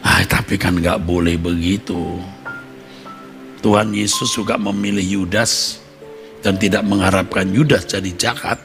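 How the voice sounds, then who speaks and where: An older man preaching a sermon as a pastor, addressing listeners directly and breaking into loud, high emotional cries when acting out prayers. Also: steady tone, measured pace, pauses often, music in the background.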